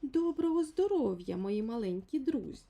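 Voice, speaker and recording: A woman voicing a polite, self-assured middle-aged lady in a fairy tale, soft but carrying and insistent. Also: on the high side, sing-song, normal speed, creaky, pitched above the performer's own voice, heavily acted. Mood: friendly, assured.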